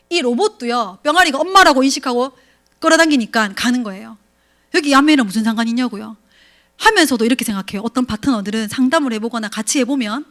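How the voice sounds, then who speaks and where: A woman's voice: sits high, fairly bright tone. A woman in her thirties, a business team leader, giving a motivational lecture and acting out the doubting voices of her partners.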